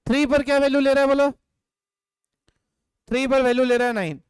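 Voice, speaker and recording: A man's voice: very high-pitched, level tone, fairly quick, clean tone, no echo. A man teaching an economics class, drilling his students with question-and-answer prompts. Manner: drills points with call-and-response. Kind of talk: live class lecture. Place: classroom or home studio.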